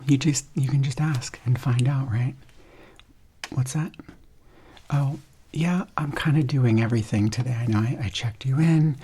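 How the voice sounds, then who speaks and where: A soft-spoken man doing an ASMR roleplay in an unhurried, reassuring manner. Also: mid-range voice, breathy edge. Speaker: ASMR performer playing a substitute surgeon.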